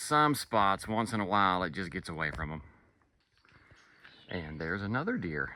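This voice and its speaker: A man with a very deep, low pitch and a bright, sharp tone talks at a moderate pace, his intonation lively and broken by long, frequent pauses. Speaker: hiking vlogger. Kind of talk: casual vlog narration outdoors. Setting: outdoors on a hiking trail. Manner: casual, joking.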